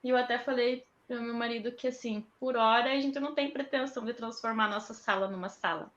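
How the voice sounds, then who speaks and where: A woman's voice: a little high, steady tone, fast talker, a bit bright. A woman, a mother of autistic twins, chatting casually on a video call from her home toy room and acting out her children's words. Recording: dull echoey home room.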